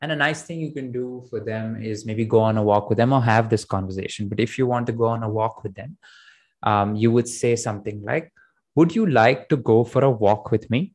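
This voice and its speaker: A man's voice: medium pitch, fast talker, darkish tone. A man hosting a language podcast, conversationally setting up questions and prompts for a teacher. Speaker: podcast host.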